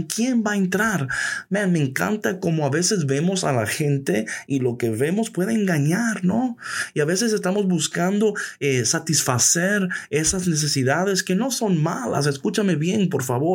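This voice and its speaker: A man hosting a casual devotional podcast, lively and playful, dropping English phrases into his talk. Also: fairly high pitch, slightly rough. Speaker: podcast host.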